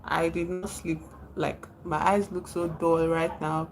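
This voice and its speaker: A woman's voice: on the low side, level tone, unhurried, a little hiss or hum, low-quality recording. A woman from Nigeria with a Nigerian accent, chatting casually on a livestream, reading out and answering viewers' comments and laughing often.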